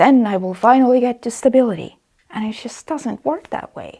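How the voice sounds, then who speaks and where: A soft-spoken woman in a dark, mellow tone with ordinary pitch variation. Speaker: voice actor. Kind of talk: casual talk to camera.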